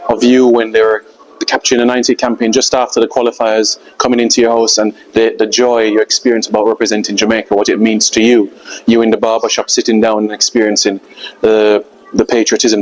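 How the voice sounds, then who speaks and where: A man's voice: fairly low pitch, poor audio. Effusive male interviewer. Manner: warm, effusive praise. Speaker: interviewer, host. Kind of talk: casual interview chat.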